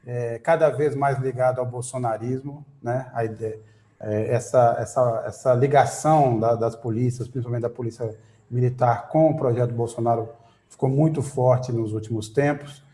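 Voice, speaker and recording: Guy hosting a political interview, mid-pitch voice, lots of "é" fillers, echoey room. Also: fairly even intonation, moderate pace, warm tone. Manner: scripted intro, then hesitant questions with fillers. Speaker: interview host.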